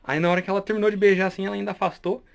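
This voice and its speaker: A man's voice: high-pitched, flat delivery, rapid-fire, gravelly. A young man with a Brazilian Portuguese accent, telling family memories in a chatty way and often ending with a question tag while he walks through an old family house. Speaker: vlogger touring his grandparents' house. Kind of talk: casual nostalgic storytelling.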